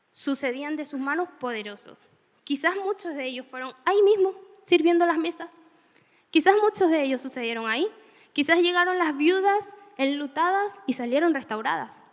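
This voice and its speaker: A woman preaching a sermon, telling stories in an animated way with laughter. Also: high-pitched, long reverb tail. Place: church hall.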